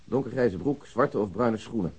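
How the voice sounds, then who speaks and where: An actor playing a wry, matter-of-fact police detective in a Dutch radio crime drama, briefing in an orderly way. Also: male voice, fairly low pitch, lively intonation, normal speed, darkish tone, husky, rough recording. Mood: formal, measured.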